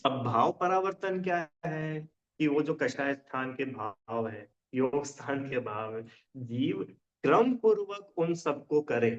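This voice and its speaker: A man's voice: mid-range voice, animated, slow pace. A man teaching a religion class in casual Hindi. He often checks whether his students understand and explains with everyday examples. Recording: dull lo-fi sound.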